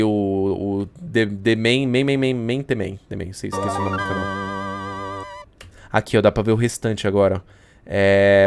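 A young Brazilian man giving casual, slangy, joking reaction commentary into a close desk microphone. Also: lowish voice. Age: young adult. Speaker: YouTuber reacting to horror videos. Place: indoor streaming room. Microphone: close desk microphone on arm.

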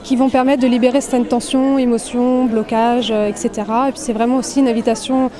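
Describing her sessions to an interviewer, a slimming coach speaks briskly in a level, slightly high voice, smooth apart from occasional fillers. Crowd noise from the packed exhibition hall around her carries through.

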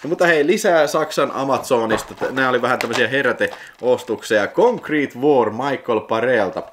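A man with a Finnish accent chatting casually as he unboxes videotapes in his vlog, excitable and prone to sudden high whoops. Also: slight background noise. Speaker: video collector vlogger.

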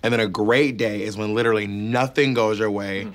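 A man's voice: fairly low pitch, fairly even intonation, brisk, a little hiss or hum, natural voice. An American actor in his thirties playing a candid, sassy gay man in recovery, with a camp drag-queen delivery, telling his story at a support meeting. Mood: earnest, upbeat. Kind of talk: naturalistic screen monologue, confessional storytelling. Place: indoor hall, group sitting in a circle.

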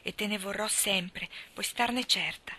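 Devoted young girl, tearful, pleading, bright tone, as a woman reader puts her on. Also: medium pitch, a little fast. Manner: earnest and pleading.

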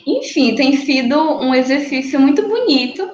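On a casual academic panel, a young Brazilian woman, a graduate researcher, speaks from a small room at home at a moderate pace in a high voice with big pitch swings. She's thoughtful, peppering her speech with fillers and restarts. Her laptop webcam captures echoey, dull, lo-fi video call sound.

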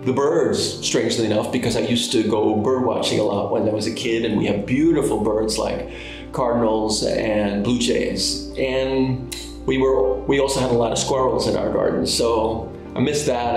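An older man answering interview questions in a thoughtful, relaxed way, with plenty of fillers. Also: medium pitch. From United States. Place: indoors, by a window. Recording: very echoey room, guitar music underneath.

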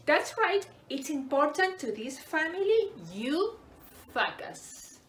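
A woman's voice: high-pitched, big pitch swings, slow, fairly bright tone, echoey room, a little hiss or hum, full character voice. An actress playing an effusive, intense Hispanic-Argentine mother in comedy character acting. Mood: insistent. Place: small plain room.

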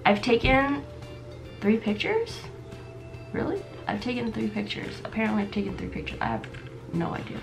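A woman's voice: fairly high pitch, very animated, moderate pace, creaky, long pauses, music in the background. A young woman in her twenties, sick with a stuffy nose and losing her voice, chatting casually to the camera as she shows off her gifts, with lots of fillers. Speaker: vlogger. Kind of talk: casual product unboxing vlog. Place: small bedroom with camera shelves, indoors.

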